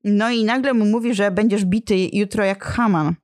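A woman's voice: mid-range voice, fairly even intonation, moderate pace, a little mellow, dry recording, studio quality. A woman in a casual lesson, explaining and reading scenes from a drama, with small slips and restarts. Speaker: literature teacher.

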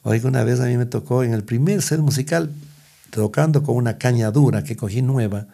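A middle-aged man, a guest musician on an interview, tells stories in a medium-pitched, warm voice with vocal fry. He speaks briskly and rambles, restarting often.

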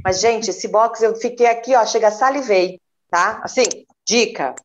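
A woman's voice: fairly high pitch, moderate pace, lo-fi sound. A woman co-hosting a casual podcast, talking earnestly and urging listeners directly. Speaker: podcast co-host. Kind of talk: casual chat.

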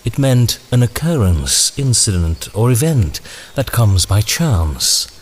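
An actor playing a menacing, eloquent ringmaster in an audio drama, speaking in deliberate, theatrical, archaic phrases. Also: male voice, medium pitch, sing-song, slight background noise. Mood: ominous musing.

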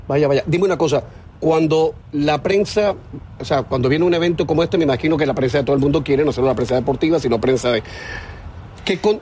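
Chatty, joking male TV host, higher voice. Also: a little mellow, a little hiss or hum. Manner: chatty and joking, with frequent restarts. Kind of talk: casual studio interview.

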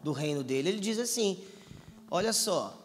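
Man preaching, high lively voice, acts out the dialogue, echoey hall, soft music. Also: moderate pace. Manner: animated, acts out dialogue, teases the crowd. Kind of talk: sermon. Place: large church hall with live audience.

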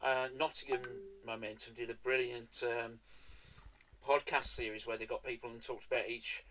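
A man talking conversationally as a guest on a panel, in a somewhat halting way. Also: medium pitch, little pitch movement, pushed and bright, slight background noise, rough recording. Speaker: guest, political activist.

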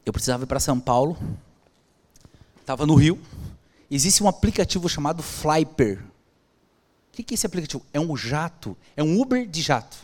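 A man with a Brazilian Portuguese accent telling a personal story as a podcast guest, acting out the dialogue in an animated way. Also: on the high side, moderate pace, long pauses. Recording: long hall reverb.

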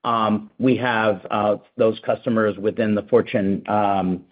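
A man answering analysts as a company executive on an earnings call, in a halting, careful way. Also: lowish voice, steady tone. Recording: dull, lo-fi conference call audio.

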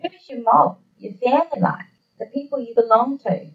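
A woman's voice: a little high, lively intonation, normal speed, recorded from a distance. Woman acting a blunt, matey Aboriginal Australian man, slightly muffled. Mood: softened, curious.

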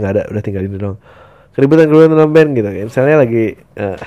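A man's voice: mid-range voice, warm tone, no room sound. A man hosting a podcast in casual comedic chat, slangy and self-mocking. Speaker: podcast host.

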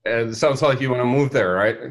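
A middle-aged man from Finland with a Finnish accent, a company founder talking casually as an interview guest, pausing often with many fillers. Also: medium pitch. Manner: halting, many fillers and restarts.

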